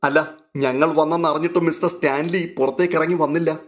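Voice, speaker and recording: A man's voice: on the high side, steady tone, quick pace, lightly acted. A man voicing a jovial, diplomatic middle-aged politician who covers awkwardness with forced cheer in a read-aloud story. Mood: hearty. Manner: falsely hearty, diplomatic.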